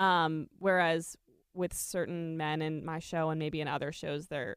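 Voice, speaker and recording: A woman's plain, everyday voice, fairly low-pitched, with an American accent, a fairly slow pace and fairly even intonation. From South Florida. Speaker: Broadway actress. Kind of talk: casual interview chat.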